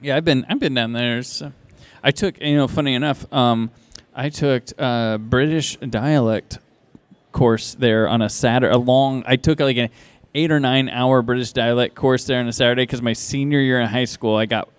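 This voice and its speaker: A man's voice: mid-range voice, steady tone, normal speed, smooth, no room sound. A man who organizes a convention tells casual stories as a guest on a live podcast, rambling with many restarts and asides. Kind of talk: casual anecdotal storytelling.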